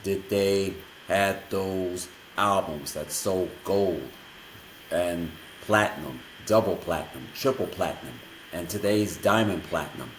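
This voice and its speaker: A man's voice: deep voice, slight background noise. A man hosting a podcast interview, explaining a countdown segment in an announcer-like, list-reading way. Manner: announcer-like, reads a long list of questions. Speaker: podcast host. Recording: echoey room.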